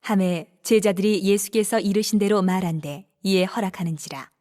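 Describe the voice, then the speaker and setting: A woman narrating scripture from a script in a measured, formal manner. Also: medium pitch, steady tone, a little mellow. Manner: measured, formal read delivery.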